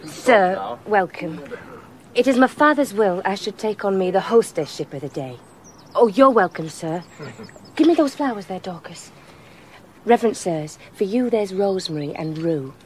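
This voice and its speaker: An actress playing a modest, witty young shepherdess hosting a feast in a radio play. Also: female voice, medium pitch, animated, moderate pace, a little mellow, slight background noise, lightly acted. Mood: gracious.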